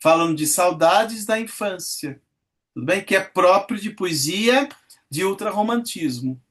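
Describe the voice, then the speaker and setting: A man's voice: high voice, expressive, unhurried, fairly bright tone. A man giving a talk on poetry, reading poems aloud, counting syllables and asking his audience questions. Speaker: lecturer. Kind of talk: lecture on poetry.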